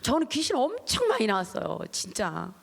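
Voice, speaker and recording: A middle-aged woman, a pastor's wife, giving a lively testimony sermon at a church service and acting out the voices in her stories. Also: on the high side, moderate pace, vocal fry. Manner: animated storytelling, acting out quoted voices. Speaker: pastor's wife, guest speaker.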